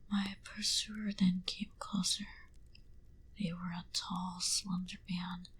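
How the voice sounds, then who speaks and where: A woman playing a wistful female vampire in an ASMR roleplay, confiding her backstory in an intimate, breathy whisper. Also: medium pitch, natural voice, low-quality recording. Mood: calm, reminiscing. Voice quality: breathy, mostly unvoiced whisper. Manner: slow, intimate, confiding delivery.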